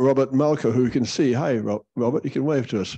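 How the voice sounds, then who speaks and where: In a quiet setting, a man's dark, mellow tone shows ordinary pitch variation. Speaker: event host and moderator; event host, moderator. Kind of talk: introduction and Q&A moderation. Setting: lecture hall with audience, streamed on video call. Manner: hesitant, many fillers. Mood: relaxed, smiling. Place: hall.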